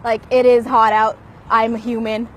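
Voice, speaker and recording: Animated young woman, sarcastic. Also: fairly high pitch, unhurried, a little hiss or hum. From born in Pakistan, raised in the United States. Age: young adult. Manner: animated, mimics others' questions with sarcasm. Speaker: university student interviewee. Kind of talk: candid interview answers. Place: outdoors.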